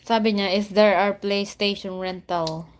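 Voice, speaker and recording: A woman's voice: medium pitch, fairly even intonation, normal speed, slight background noise. A woman from the Philippines with a Filipino accent, chatting casually on her livestream and reading viewers' comments aloud. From Bicol, Philippines. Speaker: livestream vlogger.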